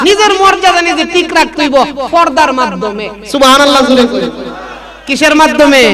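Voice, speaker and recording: Brief: male waz preacher, very high voice, rousing call-and-response delivery. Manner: rousing, calls for loud responses, rhetorical questions. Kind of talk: Islamic waz sermon.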